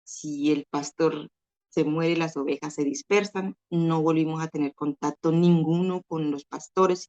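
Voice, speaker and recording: Earnest woman giving a faith testimony. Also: low voice. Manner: earnest, retelling dialogue with feeling. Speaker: church member giving testimony. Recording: dull lo-fi sound.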